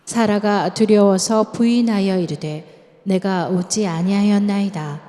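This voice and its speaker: A woman reading scripture aloud in a steady, measured way. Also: medium pitch. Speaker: scripture reader. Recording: long church reverb.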